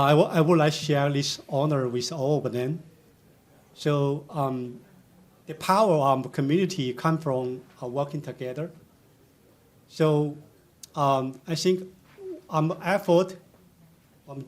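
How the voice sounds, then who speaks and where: A man giving an award acceptance speech, halting and searching for his words. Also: fairly high pitch.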